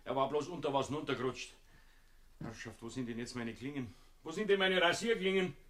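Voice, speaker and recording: An actor playing a grumpy, easily exasperated married man in an audio play, with a husky voice and a Bavarian accent. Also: medium pitch, brisk, a bit bright, slight background noise, natural voice. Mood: grumbling. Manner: blustering, grumbling.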